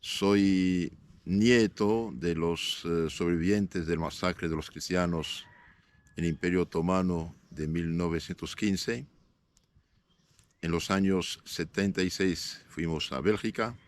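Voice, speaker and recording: A man in his fifties, born in northern Syria with Aramaic as his first language, answering interview questions as a priest in a measured way, often pausing with fillers. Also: sits low, fairly even intonation. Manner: measured, halting with frequent "eh" fillers and restarts.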